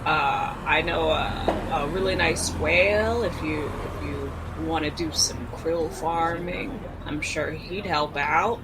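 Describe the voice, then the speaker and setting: A woman's voice: deep voice, takes it slowly, few pauses, pitched below the performer's own voice. A woman playing an easygoing, kind surfer-dude turtle doctor who talks in chilled-out slang, on a noisy recording. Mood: generous, mellow. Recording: clearly noisy background.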